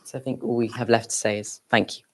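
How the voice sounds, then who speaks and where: A young adult with a mid-pitched voice speaks at a public event. The delivery is plain and explanatory, addressed to an audience. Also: little pitch movement, quick pace, very noisy.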